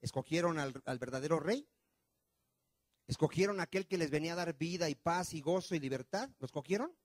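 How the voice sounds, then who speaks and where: A pastor preaches briskly to his church, throwing one question after another at the congregation. For a man his voice sits fairly high, moving between loud pushes and quiet murmurs, captured dry and close with no room sound.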